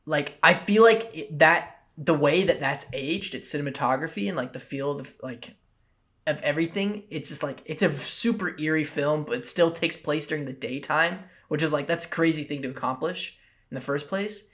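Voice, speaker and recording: Man, young adult, podcast co-host, higher voice, bright edge, filler-heavy casual talk. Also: normal speed. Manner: filler-heavy, leads questions.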